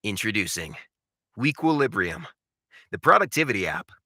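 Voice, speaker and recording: A man voicing an earnest, delighted testimonial pitchman in a polished commercial voice-over read. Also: big pitch swings, normal speed, pushed and bright, no room sound, studio quality, heavily acted. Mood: polished announcing.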